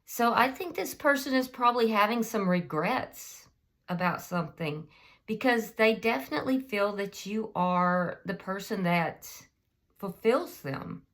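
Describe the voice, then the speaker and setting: A woman with a slightly hoarse voice from a cold, giving a casual tarot reading and thinking aloud with frequent ums. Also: medium pitch, a bit bright. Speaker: tarot reader.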